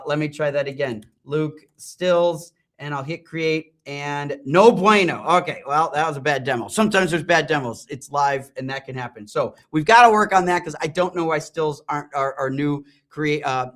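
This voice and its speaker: A middle-aged man hosting a live-streamed product talk and software demo, enthusiastic and rambling, with frequent ums and restarts. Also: on the high side. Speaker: host and company CEO.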